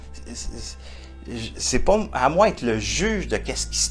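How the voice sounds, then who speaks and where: Music plays in the background as a man talks in a Quebec accent. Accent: Québécois. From Quebec, Canada. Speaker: motivational speaker. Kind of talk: interview answer.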